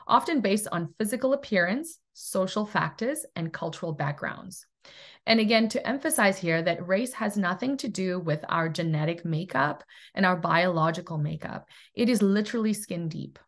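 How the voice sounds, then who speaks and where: A woman's voice: fairly low pitch, moderate pace. Earnest South African woman lecturing. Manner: earnest, thoughtful, many fillers and restarts. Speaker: presenter in a university research toolkit. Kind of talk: recorded webinar lecture. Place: home room, webcam.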